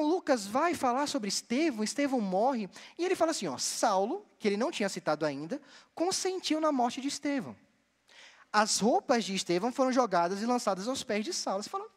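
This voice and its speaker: A young man from Bahia, Brazil, preaching a sermon as a seminarian and telling stories with lively delivery. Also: high voice. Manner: storytelling, animated, addresses the congregation directly. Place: church hall. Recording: long church hall reverb.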